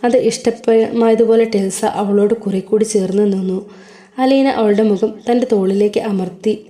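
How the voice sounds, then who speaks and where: A woman narrates a serial story with a calm, steady delivery. Her voice is mellow and warm rather than bright, sitting at an ordinary middle pitch for a woman. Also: unhurried.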